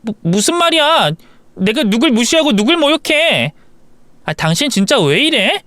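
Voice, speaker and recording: A man's voice: big pitch swings, moderate pace, pushed and bright, no echo, full character voice. A man voicing a flustered young wife who stammers and pleads, in a storybook narration. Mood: defensive. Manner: stammering, high-strung, pleading. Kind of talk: storybook voice acting.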